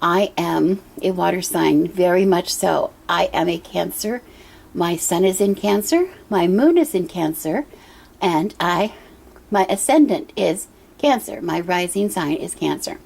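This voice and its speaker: A hoarse middle-aged woman talks to her own camera in a room at home, her voice husky and full of gravelly fry. She speaks gently and wanders from point to point, filling pauses with ums as she shows her things. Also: lowish voice, lively intonation. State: hoarse from a cough. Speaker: pagan altar vlogger. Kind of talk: casual show-and-tell vlog. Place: indoor room at home with a water feature. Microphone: camera she handles herself.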